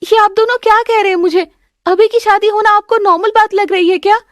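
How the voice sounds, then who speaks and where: Woman playing a distraught young wife, high voice with big swings, dry booth sound. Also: steady tone, fairly quick, dry recording. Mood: pleading. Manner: high, pleading, crying out. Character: tearful young married daughter, distraught. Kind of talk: Hindi family drama voice acting.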